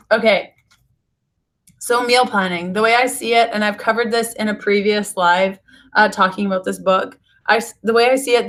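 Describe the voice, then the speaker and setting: Raspy, hoarse woman chatting to viewers. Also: medium pitch, fairly bright tone. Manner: informal, chatty, addresses viewers directly. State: hoarse, recovering from voice loss. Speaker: nutrition author hosting a livestream. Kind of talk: casual live vlog chat to viewers. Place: hotel room.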